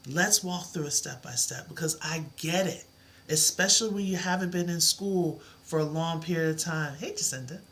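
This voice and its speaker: A woman's voice: low-pitched, moderate pace, a bit bright. A middle-aged woman teaching a live math lesson, with a soothing voice and an encouraging, reassuring way of talking. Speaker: math tutor.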